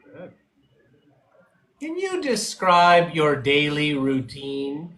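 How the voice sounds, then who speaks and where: A man's voice: fairly high pitch, huge pitch swings, very slow, a bit bright. A man teaching English on a live stream, encouraging his students and often checking in with "okay?". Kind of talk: live-streamed speaking lesson. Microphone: live stream mic. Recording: roomy echo.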